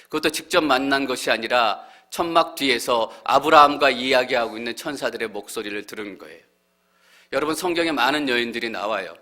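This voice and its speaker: A male pastor giving an earnest sermon, growing louder and more fervent as he voices heartfelt prayers. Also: medium pitch, animated, a little fast. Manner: earnest preaching, swelling louder when voicing prayers.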